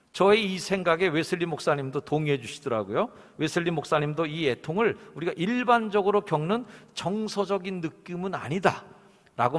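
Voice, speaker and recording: A man preaching a Sunday sermon as senior pastor, in an expressive preaching manner. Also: on the high side. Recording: long church hall reverb.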